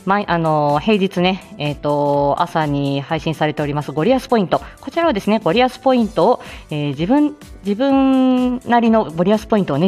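A woman's voice: lowish voice, a little mellow. Flustered, chatty woman live-streaming. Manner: flustered, chatty, many fillers and small laughs. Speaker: speech therapist and live-stream host. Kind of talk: casual solo live stream.

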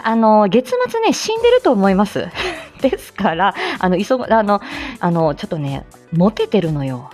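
A woman's voice: medium pitch, big pitch swings, moderate pace, darkish tone, soft background music. A woman hosting a live stream in a casual, chatty way, often laughing between phrases. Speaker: livestream host.

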